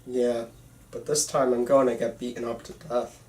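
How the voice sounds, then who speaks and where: A man's voice: medium pitch, little pitch movement, moderate pace, a little mellow. A man reading casual dialogue in an amateur table read. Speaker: table read participant playing a young filmmaker. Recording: echoey room, distant mic, faint noise.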